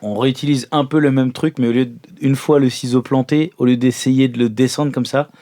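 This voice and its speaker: A man chatting casually as a player in an improvised tabletop game, explaining his ideas in a halting way. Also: medium pitch, steady tone, mellow. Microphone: studio microphone.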